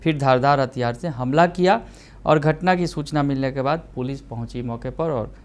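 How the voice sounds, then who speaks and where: A man presenting a news report as anchor, in a brisk, emphatic delivery. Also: mid-range voice.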